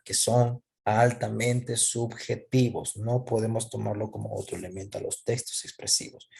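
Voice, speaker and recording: Man, teacher, gravelly fry, dark relaxed tone, explanatory, didactic, question-and-answer delivery, frequent check-in tags. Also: fairly low pitch. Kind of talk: explanatory lesson, asking and answering own questions.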